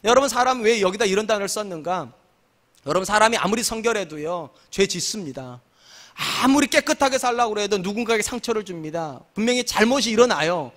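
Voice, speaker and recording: A man's voice: high voice, lively intonation, brisk, a bit bright. A man in his forties, a senior pastor, preaching a sermon in a humorous, conversational way with acted quotes. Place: church sanctuary.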